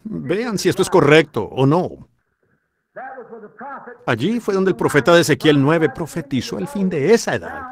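A man's voice: fairly high pitch, big pitch swings, moderate pace, long pauses. A man preaching a dubbed sermon in a fervent, exhorting way.

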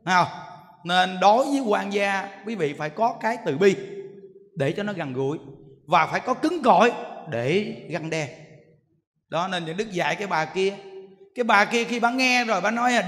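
A man's voice: sits high, lively intonation, moderate pace, a bit bright. A monk giving a sermon as a joking storyteller, often asking his listeners rhetorical questions. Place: temple hall with an audience. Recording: echoey hall.

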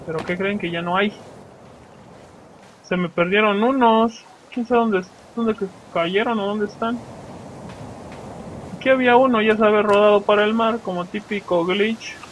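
A young man with a Mexican Spanish accent and a fairly high voice runs loose, swearing commentary over his gameplay. He jokes freely and keeps talking straight to his viewers. A faint hum of noise sits behind him. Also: steady tone, normal speed, long pauses, rough recording. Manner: profane, joking, talks to viewers while playing. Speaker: gaming channel host. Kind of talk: casual let's play commentary.

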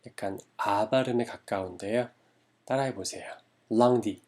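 A man teaching a language lesson, modeling each word slowly and repeating it for learners. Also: lowish voice, a little mellow. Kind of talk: slow, careful language lesson.

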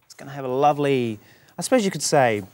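Speaking quickly in a mid-range voice, a man with an Australian accent demonstrates how to cook a dish on a studio kitchen set. He's a chef, relaxed, chatty and explanatory as he goes step by step, and the recording is dry.

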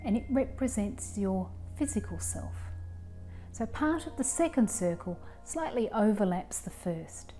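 A woman in her forties leading a guided meditation in a calm, soothing, soft voice that gets breathy at phrase ends. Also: medium pitch, a little hiss or hum. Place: small living room, indoors. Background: soft music.

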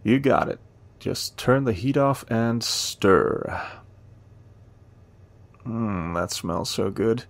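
A man acting a friendly, playful, eager young cafe helper in a romance audio roleplay, teasing and warm in a conversational way. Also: lowish voice, lively intonation, very slow, long pauses, heavily acted. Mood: warm, earnest.

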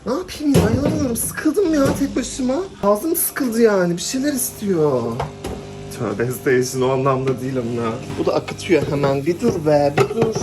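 A man's voice: high-pitched, normal speed. A young man chatting casually to the camera in an office for his vlog, laughing often. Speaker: vlogger. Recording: noisy background.

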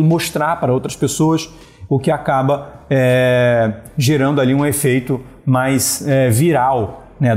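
A man in his thirties from Brazil, talking straight to camera and giving business advice with animated hand gestures, often checking in with the viewer. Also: medium pitch. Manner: animated, gesturing, steady talk punctuated with "né?" and "beleza". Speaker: e-commerce business coach. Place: small indoor room with wooden slat wall. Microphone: wired earphone headset mic.

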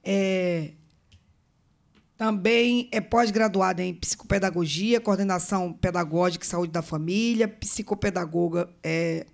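A woman's voice: on the low side, measured pace, vocal fry. A middle-aged woman from Bahia with a Bahian Brazilian accent, chairing a meeting with formal remarks and informal asides into a table microphone. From Bahia, northeastern Brazil. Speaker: state legislator chairing a meeting. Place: legislative meeting room, indoors. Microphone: table gooseneck microphone.

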